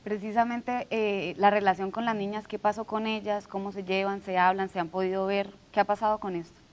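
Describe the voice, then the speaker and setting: A woman's voice: medium pitch, flat delivery, fairly quick. A woman hosting a TV interview, asking direct, formal questions. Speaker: TV interviewer host.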